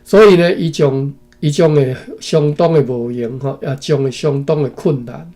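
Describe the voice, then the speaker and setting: A man from Taiwan with a mellow, fairly high voice reads an old text aloud. He goes phrase by phrase and breaks off for asides to his listeners, often ending them with a tag particle. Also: moderate pace. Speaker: reader and commentator. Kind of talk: reading a historical text aloud with commentary.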